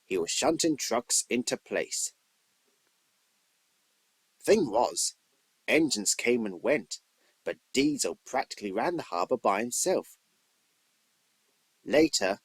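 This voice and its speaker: A man's voice: mid-range voice, slightly rough. A man reading scripted narration for a children's train story as its storyteller.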